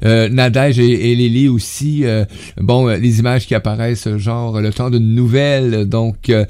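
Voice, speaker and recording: A man's voice: medium pitch, steady tone, unhurried, dark tone, clean tone. A male radio host in a casual on-air chat. He answers with short affirmations and passes on comments from listeners.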